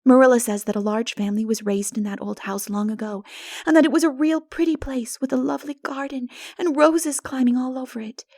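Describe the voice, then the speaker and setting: A woman's voice: sits high, steady tone, a little fast, darkish tone, no echo, pitched above the performer's own voice. A woman voicing a dreamy, hopeful teenage girl with earnest, lilting expression in an audiobook. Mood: dreamy, wistful. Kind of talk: dramatic audiobook character reading.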